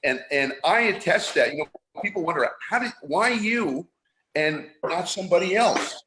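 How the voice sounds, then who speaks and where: A man's voice: sits high, expressive, normal speed, bright, forceful tone, slight background noise. A middle-aged man from San Francisco hosting a live online show, talking casually with many restarts and fillers. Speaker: show host. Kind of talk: casual live-stream talk.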